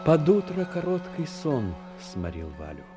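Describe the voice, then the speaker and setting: A man narrating a scripted dramatic story in a measured, expressive way. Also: on the high side, music in the background.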